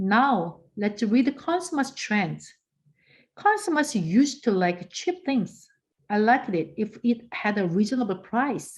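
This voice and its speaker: In a Korean accent, a woman talks with a fairly high pitch. Her voice is somewhat breathy, with very wide pitch swings. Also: fairly slow pace. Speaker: network marketing leader. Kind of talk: motivational presentation.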